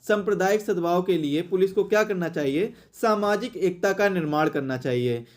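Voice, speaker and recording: A man's voice: high-pitched, normal speed. A man teaching an exam question-and-answer lesson, explaining and repeating phrases for emphasis.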